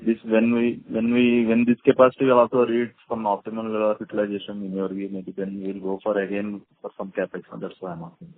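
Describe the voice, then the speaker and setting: A man's voice: fairly low pitch, level tone, fast, hardly any pauses, dry recording. A man with an Indian accent, politely and somewhat hesitantly asking questions as a caller on an investor call. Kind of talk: question and answer. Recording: thin, dry phone line.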